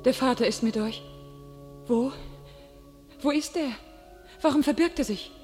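An actress playing a tormented, homesick young shepherdess turned warrior, declaiming solemnly and fervently in a classical radio play. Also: female voice, high voice, unhurried. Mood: moved, searching. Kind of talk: classical German stage verse radio acting. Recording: radio play with loud music behind.

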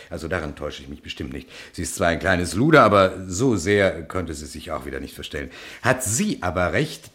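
An actor playing a gruff, exasperated, sardonic police inspector in a German crime radio play. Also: male voice, sits low, a bit bright. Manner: insistent questioning, muttering and sardonic. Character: gruff, exasperated male French police inspector investigating a murder.

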